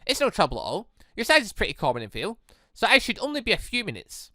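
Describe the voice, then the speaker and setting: A man's voice: high-pitched, huge pitch swings, fast, pushed and bright, dry recording, clean studio sound, voice pushed up, full character voice. A man voicing a kind, earnest, cheerful girl who is eager to help, in a visual novel. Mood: helpful. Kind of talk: reading a visual novel aloud.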